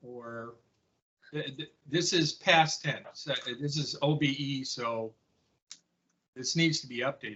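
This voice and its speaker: Very slowly, a man talks with long, frequent pauses. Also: fairly high pitch for a man, ordinary pitch variation. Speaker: planning board member. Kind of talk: public meeting discussion. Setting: video call. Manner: loud, yelling. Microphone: quiet to some listeners.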